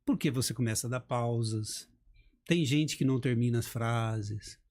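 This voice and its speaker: A man's voice: mid-range voice, moderate pace. A middle-aged man, a public speaking coach, talking in a casual podcast chat and acting out examples with emphasis. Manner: animated, emphatic, acts out examples.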